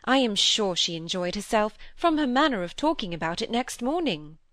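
A woman's voice: medium pitch, very animated, fairly bright tone, dry recording, clean studio sound. A woman reading aloud and voicing a vain, chattering middle-aged stepmother who gushes and fusses. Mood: gushing. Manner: gushing, fussy, quick to dismiss. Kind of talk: audiobook character voice.

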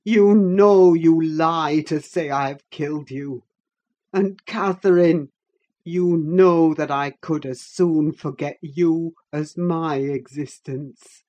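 A woman voicing a desperate, anguished man who speaks slowly and savagely. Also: low voice, dark tone, muffled recording. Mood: despair. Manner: slow, despairing, savage.

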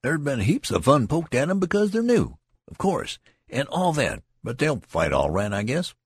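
A man's voice: deep voice, expressive, normal speed, creaky, breathy edge, dry recording, clean studio sound, heavily acted. A man voicing a tall, boastful young soldier who talks in a folksy, lecturing way. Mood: knowing. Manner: folksy rural talk, lecturing.

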